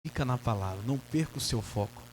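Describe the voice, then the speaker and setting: A Brazilian man preaching a sermon as pastor. He swings between soft and loud passages and mimics church members in his own voice. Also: medium pitch, expressive, quick pace. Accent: Brazilian Portuguese. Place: church sanctuary. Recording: long church reverb, faint hum.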